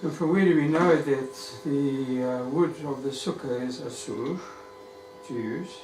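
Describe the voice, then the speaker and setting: A man studying in a Talmud class, reading the text aloud haltingly and asking questions. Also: medium pitch, darkish tone. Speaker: student. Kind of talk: study-group discussion. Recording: echoey room with background noise.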